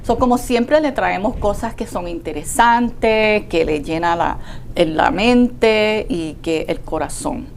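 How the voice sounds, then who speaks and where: A woman's voice: medium pitch, slow. A woman from Puerto Rico with a Puerto Rican accent hosts a local TV interview. She keeps it conversational and slips English fillers into her Spanish. A faint hiss sits behind her voice. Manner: chatty, mixes in English fillers. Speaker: TV show host. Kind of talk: community TV interview.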